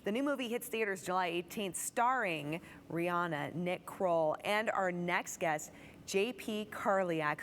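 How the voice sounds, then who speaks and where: A woman's voice: mid-range voice, a bit bright, slight background noise. A woman hosting a broadcast interview in an enthusiastic, gushing manner. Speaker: TV show host.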